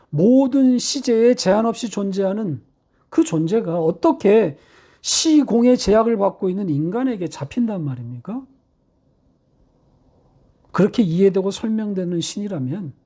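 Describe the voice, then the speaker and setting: A middle-aged male pastor preaching a sermon, posing rhetorical questions and slowing down to stress key phrases. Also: sits high, big pitch swings, warm tone. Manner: rhetorical questions, measured delivery with slowed emphatic phrases.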